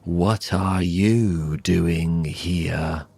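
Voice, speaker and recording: A British man voicing a greedy, hot-tempered male trickster spider in a folk tale, with drawn-out, exclamatory pleas and demands. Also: low voice, steady tone, vocal fry, darkish tone, breathy edge, no echo, clean studio sound, voice pushed down, heavily acted. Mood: soft, coaxing.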